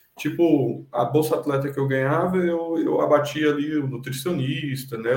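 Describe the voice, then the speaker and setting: A man speaks at a fairly slow pace with fairly even intonation. The room echo is audible. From Brasília satellite cities, Brazil. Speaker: running coach, former sprinter. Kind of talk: casual interview on a livestream. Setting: YouTube livestream.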